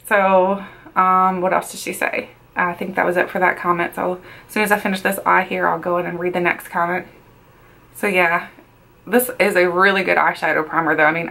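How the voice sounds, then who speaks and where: A woman in her thirties talks casually to the camera while doing her makeup at her desk. Her voice sits a little low, and she is chatty, doubling words for emphasis. She feels she is losing her voice. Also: gravelly, sharp tone. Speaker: beauty vlogger. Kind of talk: casual get-ready-with-me chat. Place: small bedroom makeup setup, indoors.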